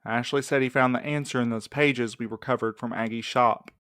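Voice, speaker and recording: A man's voice: mid-range voice, steady tone, brisk, fairly bright tone, clean tone, no room sound, studio quality, natural voice. An actor playing a weary, guarded young man in an audio drama, with a subdued, terse delivery. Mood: earnest, intent. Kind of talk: naturalistic audio drama acting.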